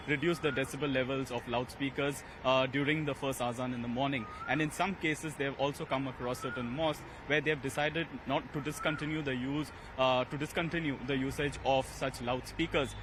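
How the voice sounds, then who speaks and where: A male field reporter delivers a live report at a quick pace in a mid-range voice. City street and traffic noise is clearly audible around him. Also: mid-range voice. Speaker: news reporter.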